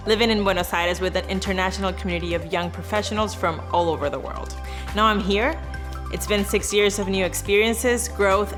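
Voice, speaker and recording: An earnest, upbeat woman speaking. She delivers a prepared award statement at a middle pitch, with music playing clearly underneath. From Venezuela. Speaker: award recipient. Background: background music.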